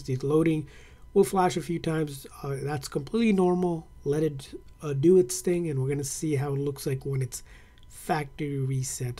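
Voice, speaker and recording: A man's voice: on the high side, mellow. A man hosting a tech tutorial, talking casually through each step with a few fillers while his hands work a tablet at a desk.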